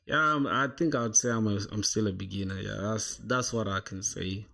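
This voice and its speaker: A man's voice: fairly low pitch, brisk, creaky. A young man from South Sudan whose first language is Shilluk, casually thinking aloud and chatting with viewers while he codes, calling them "bro" often. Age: young adult. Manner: relaxed, thinks aloud, says "bro" a lot. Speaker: livestreaming programmer. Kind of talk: casual coding livestream chat.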